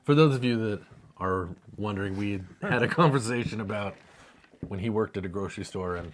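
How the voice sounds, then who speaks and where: A man's voice: lowish voice, a little fast. A man with an American accent in casual, jokey conversation as a co-host reading out viewer questions. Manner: self-deprecating, jokey. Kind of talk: casual chat.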